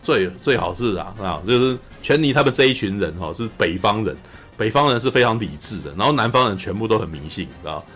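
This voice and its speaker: A man from Taiwan, co-hosting a podcast and chatting casually about a film, animated, acting out scenes and often saying "you know". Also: on the low side, quick pace, soft background music. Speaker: podcast co-host. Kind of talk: casual film review chat.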